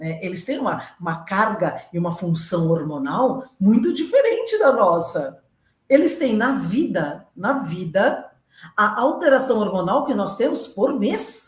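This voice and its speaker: Fairly slow and somewhat breathy, a woman speaks in a fairly high pitch with very wide pitch swings. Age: 60s. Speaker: women's mentor. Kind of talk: casual podcast chat. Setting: live-streamed podcast.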